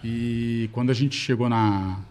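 A man who used to produce a show, hosting a podcast and telling stories in rapid, laughing chat. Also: fairly even intonation, a little mellow. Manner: rapid, laughing, drops to a low mutter in asides. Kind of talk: casual storytelling chat.

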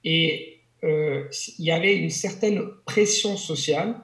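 A man's voice: fairly high pitch, slow pace, a bit bright. A man from Italy, speaking French as a language teacher in a conversational interview, hesitant with frequent restarts and fillers. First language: Italian. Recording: roomy echo.

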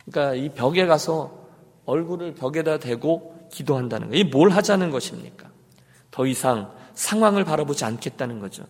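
A man preaching a sermon as pastor, swinging between loud urging and hushed pleading. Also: a little high, animated, fairly quick, long reverb tail. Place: church sanctuary.

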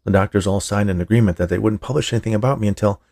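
A man voicing a gentle, earnest young man who explains himself patiently in a narrated story. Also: fairly low pitch, rapid-fire. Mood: earnest, resigned.

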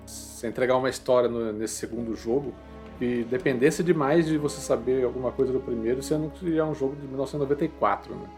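A man's voice: medium pitch, quick pace, a little mellow, soft background music. A man with a Brazilian Portuguese accent co-hosting a podcast, chatting casually with questions and comments. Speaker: podcast co-host.

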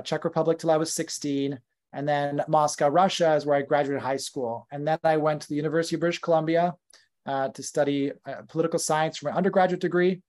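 A man's voice: a little high, darkish tone. A man in his thirties with a North American accent, telling his story as a guest on a casual podcast, chatty and full of fillers and restarts. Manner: conversational, with fillers and self-corrections. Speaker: podcast guest, company founder.

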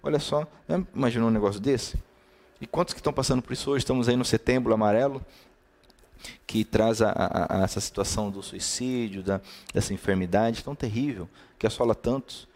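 A Brazilian-accented man leads a streamed devotional talk in a middle-pitched voice. His manner is easy and conversational. He lists key words one by one and greets viewers by name between points. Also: fairly quick, darkish tone. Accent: Brazilian Portuguese. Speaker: preacher.

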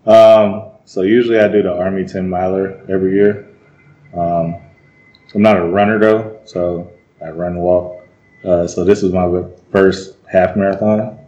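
A man's voice: deep voice, little pitch movement, unhurried, mellow. A man from Georgia, a podcast guest, talking modestly with hesitant ums. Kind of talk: casual podcast chat. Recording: dull, echoey room sound.

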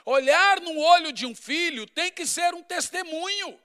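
High, bright-voiced preacher man. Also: a little slow. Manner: animated, humorous storytelling, swings from loud to hushed. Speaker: pastor. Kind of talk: sermon.

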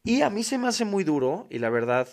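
A man's voice: high voice, very animated, fairly quick, a little mellow. A man with a Mexican accent hosting a podcast, giving a casual monologue in an emphatic, slangy way and repeating his key points. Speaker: podcast host.

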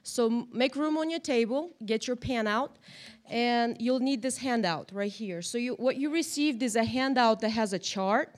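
A woman's voice: a little high, normal speed. A woman from Moldova, teaching a church Bible lesson to a group in a chatty way, often adding "right?". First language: Russian or Romanian. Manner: chatty, animated, tag questions. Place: church room, in front of a group.

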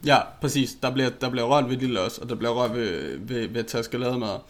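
A man co-hosting a casual film-review podcast, talking bluntly and crudely with lots of fillers and restarts. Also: medium pitch. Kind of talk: casual chat.

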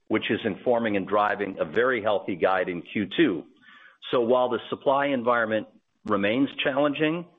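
Low-voiced male executive on a phone line. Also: husky. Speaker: company executive. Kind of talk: earnings call answers to analysts. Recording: tinny phone-line conference call.

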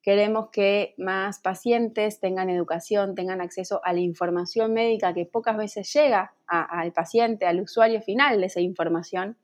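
A woman's voice: medium pitch, steady tone, normal speed, hardly any pauses. A woman from Santa Fe, Argentina, with an Argentine accent, a gynecologist answering interview questions earnestly and at length. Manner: earnest, explains at length with small restarts. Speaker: guest, gynecologist and entrepreneur.

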